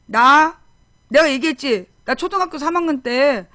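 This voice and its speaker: Middle-aged woman hosting a casual political stream; slightly high, insistent delivery with repetition; dry close-miked sound. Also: normal speed, dry recording. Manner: emphatic, animated, repeats phrases for effect. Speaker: political talk show host. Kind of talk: casual live-stream monologue.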